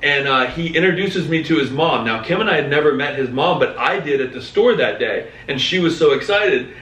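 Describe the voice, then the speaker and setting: A man in his thirties co-hosting a podcast, telling a story in a lively, casual way. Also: a little high, a little fast. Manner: animated, acts out quoted voices. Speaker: podcast co-host. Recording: echoey room, mic at a distance.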